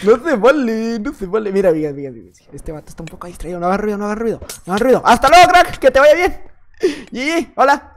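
A man's voice: sits high, sing-song, quick pace. A young man with a Mexican accent gives playful, chatty gameplay commentary, repeating his phrases as he plays. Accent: Mexican Spanish. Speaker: gaming YouTuber.

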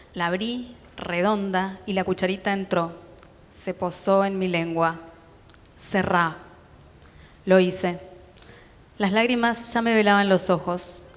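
A woman with a Rioplatense accent reading a story aloud at a literary festival, in a steady, measured way. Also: mid-range voice, big-room sound. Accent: Rioplatense Spanish. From Argentina.

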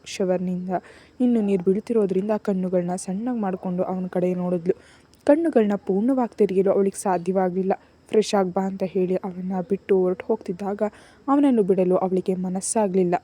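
A woman narrating a serialized romance novel in a steady, soft storytelling manner. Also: medium pitch, brisk. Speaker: audiobook narrator.

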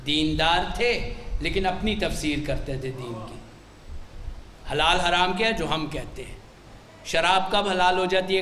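A man with a Pakistani Urdu accent preaching a Muharram sermon, telling stories and acting out quoted dialogue in animated bursts. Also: slight background noise. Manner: animated storyteller, acts out quoted dialogue with pitch jumps. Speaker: Shia cleric giving a Muharram majlis sermon. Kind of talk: sermon with storytelling. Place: large imambargah hall. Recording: echoey hall with faint crowd ambience.

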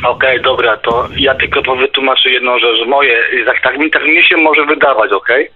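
A man's voice: medium pitch, fairly even intonation, moderate pace, slight background noise. A middle-aged man musing in casual debate, restarting phrases as he reasons aloud, over a phone call. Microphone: phone or internet call. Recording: tinny phone line, faint music behind.

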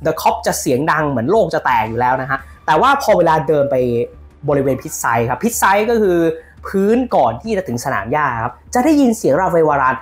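A man giving casual football news commentary on his own channel, lively and animated, shouting out players' calls as he explains. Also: on the high side, fast.

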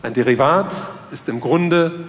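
Older man giving a slow stage lecture. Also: fairly high pitch, faint music behind. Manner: slow, measured delivery. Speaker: conference speaker. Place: large conference hall stage. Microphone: headset microphone. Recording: hall reverb.

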